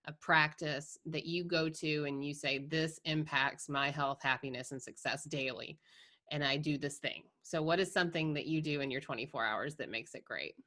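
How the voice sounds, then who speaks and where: A woman's voice: deep voice, steady tone, normal speed, bright, forceful tone. A woman from Georgia with a Southern accent, hosting a podcast interview in an effusive manner and laughing easily. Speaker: podcast host.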